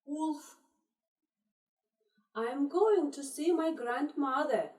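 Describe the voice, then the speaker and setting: A woman English teacher giving a lesson to young children, encouraging and repeating instructions slowly. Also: high-pitched, darkish tone. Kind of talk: classroom lesson for young pupils. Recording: roomy echo, distant mic.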